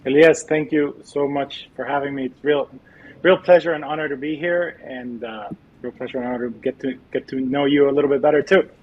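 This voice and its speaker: Husky-voiced Salvadoran-born man reminiscing. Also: mid-range voice, a little fast, lo-fi sound. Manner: reflective, frequent restarts and fillers. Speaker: guest. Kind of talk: podcast interview.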